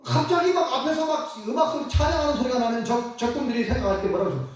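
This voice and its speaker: A pastor delivering an animated sermon, firing off rhetorical questions and chuckling between points. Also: sits high, racing, soft background music. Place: church sanctuary. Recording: echoey hall, mic at a distance.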